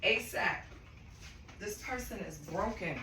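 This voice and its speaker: A woman's voice: medium pitch, slow pace. A woman from Costa Rica giving a casual tarot reading, talking bluntly and swearing freely. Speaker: tarot reader. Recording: echoey room with steady background noise.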